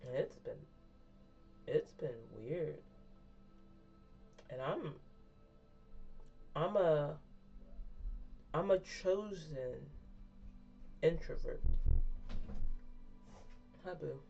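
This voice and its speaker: Her voice is low, creaky and dark, with lively intonation, drawn-out words and long pauses. She's a vlogger in her thirties chatting candidly and ramblingly to viewers, often laughing at herself, over dull lo-fi sound and faint music.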